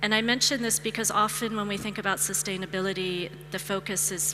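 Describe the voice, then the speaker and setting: With a bright, sharp tone and vocal fry, a woman talks fairly quickly with fairly even intonation. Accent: American. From United States. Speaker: tourism and marketing advisor. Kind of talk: conference talk.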